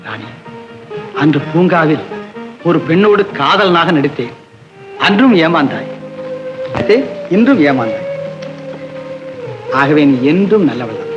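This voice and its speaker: A man's voice: a little high, big pitch swings, unhurried, pauses often, dull audio. A man playing a film hero in 1960s Tamil cinema, speaking in declamatory dialogue. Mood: tender. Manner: declamatory, lamenting then tender. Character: man who faked being a drunkard to win back his love. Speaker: film hero, the woman's lover. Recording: old film soundtrack with loud music.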